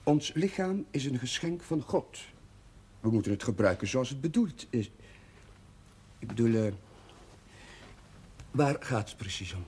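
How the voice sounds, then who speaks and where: An actor with a Netherlands Dutch accent playing a flustered, evasive but kindly Catholic chaplain in a television drama, speaking hesitantly and haltingly. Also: male voice, medium pitch, animated, a little mellow, breathy edge. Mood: awkward, moralising. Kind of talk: naturalistic television drama acting. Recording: noisy old television soundtrack.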